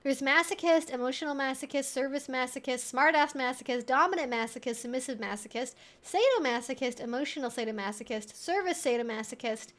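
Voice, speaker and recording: Woman, high voice, livestream host, casual rambling chat, amused, thinking aloud. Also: fairly quick, hardly any pauses, fairly bright tone. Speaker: livestream host and kink educator. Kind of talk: casual live Q&A chat, reading out and reacting.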